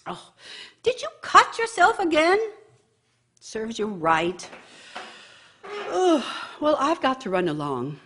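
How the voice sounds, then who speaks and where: An actress playing a bitter, long-suffering wife in a radio play, nagging and scornful, with a husky voice. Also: female voice, high voice, huge pitch swings, slow, long pauses, fairly bright tone, slight background noise, full character voice. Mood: indignant, scornful. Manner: scornful, reproachful, needling. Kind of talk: radio theater monologue.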